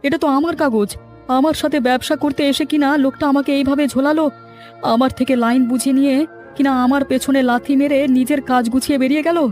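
A woman puts on a betrayed village con man for a cartoon. The voice is high, quick and aggrieved, with music underneath. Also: steady tone, darkish tone, natural voice. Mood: indignant, aggrieved. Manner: indignant, aggrieved. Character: betrayed, indignant male village land swindler. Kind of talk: dramatized cartoon dialogue.

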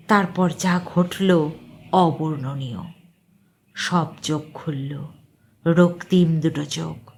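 A woman reading a ghost story aloud in a slow, suspenseful, expressive storytelling style. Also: medium pitch. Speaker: story reader.

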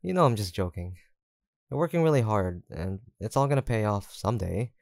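A man's voice: on the low side, big pitch swings, fairly quick, creaky, no echo, clean studio sound. A young man acting an easygoing, teasing, affectionate student roommate in an intimate, casual roleplay audio drama, with hesitant banter. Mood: teasing, encouraging. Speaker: voice actor.

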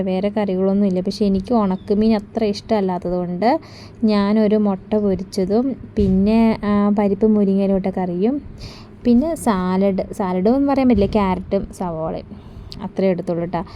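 A woman's voice: medium pitch, moderate pace, lo-fi sound, slight background noise. A woman vlogger and mother chatting casually through her day, homely, often ending sentences with a friendly tag. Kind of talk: casual daily vlog narration.

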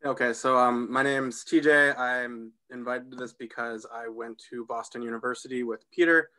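A man's voice: medium pitch, steady tone, a little slow, sharp tone. A man in his twenties with an American accent, introducing himself in an easygoing way on a video call. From Chicago, United States. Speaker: guest.

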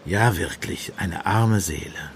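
Shrewd gentle priest, radio play, deliberate musing delivery, animated intonation, faint background noise. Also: male voice, sits low, full character voice. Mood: grave, pointed. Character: gentle, shrewd priest-detective, mild-mannered, quietly probing. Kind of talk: German radio play acting.

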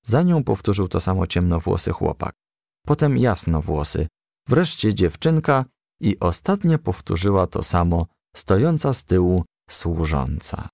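Lively male storyteller reading a children's tale. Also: low voice, a little slow, creaky, no echo, clean studio sound. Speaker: narrator. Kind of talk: scripted storybook narration.

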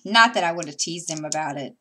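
A chatty middle-aged woman talks to her camera at home while she stitches. Her voice sits low, and she wanders through her thoughts with fillers and restarts. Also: brisk, bright, forceful tone. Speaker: stitching vlogger. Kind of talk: casual chat while stitching. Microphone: camera mic.

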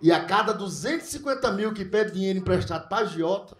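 A man doing a crude, animated stand-up comedy set, slipping into mock foreign voices as he tells his story. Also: high voice, fast, a little hiss or hum. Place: comedy club stage with a live audience. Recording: echoey room, loud crowd laughter.

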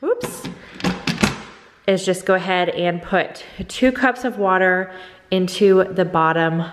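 Woman, middle-aged, lowish voice, chatty cooking demo, home kitchen, long reverb. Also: steady tone, slow pace, background noise. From Texas. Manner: chatty step-by-step explaining, frequent "go ahead". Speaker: cooking vlogger. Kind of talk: casual cook-along demonstration.

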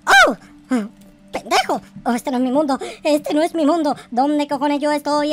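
Female game streamer, highish and swooping in pitch, dramatic, foul-mouthed roleplay commentary. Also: fairly bright tone. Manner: theatrical, exclamatory, slangy and profane. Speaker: gaming video creator and host. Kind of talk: excitable Minecraft roleplay commentary.

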